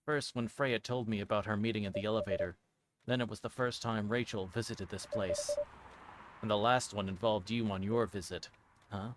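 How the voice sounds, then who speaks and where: A man streaming a playthrough of a visual novel, reading dialogue aloud and commenting casually in a hesitant, halting way. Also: lowish voice, steady tone, heavy background noise. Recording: music behind the voice. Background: guitar music from the game.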